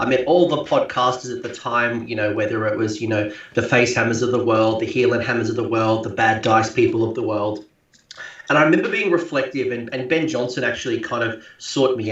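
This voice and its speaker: With an Australian accent, a man talks at a fairly quick pace and medium pitch, with audible room echo and noticeable background noise. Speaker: YouTube content creator. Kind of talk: casual chat.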